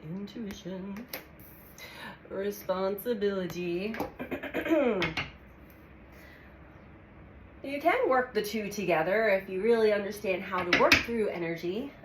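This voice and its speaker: Woman, tarot reader, congested from a cold, calm and unhurried, echoey room, noticeable background hiss. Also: mid-range voice. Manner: calm, unhurried, speaks with pauses while drawing cards. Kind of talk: weekly astrology tarot reading.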